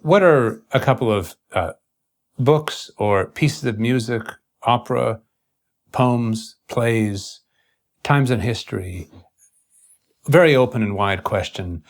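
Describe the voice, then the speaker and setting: A man interviewing in an intellectual conversation, choosing formal words deliberately in broken, halting phrases. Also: mid-range voice.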